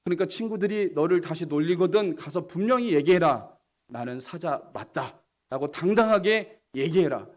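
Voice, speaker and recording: A man voicing a stern father lion who firmly tells his cub who he is, speaking slowly in a lowered voice. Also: expressive. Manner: slow, firm, lowered voice.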